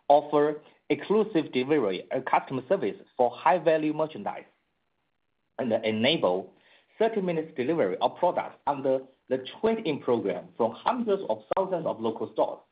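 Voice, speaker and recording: A phone-like, narrowband line carries a slightly husky male voice. He is a company executive delivering prepared earnings remarks, formal and measured. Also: medium pitch. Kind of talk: prepared corporate presentation on earnings call. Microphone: conference call line.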